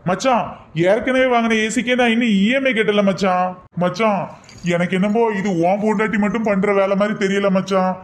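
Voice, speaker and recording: A man's voice: sits high, fairly even intonation, a little fast, natural voice. A man voicing an exasperated brother-in-law in a cartoon comedy, pleading his case in long, complaining appeals. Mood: aggrieved.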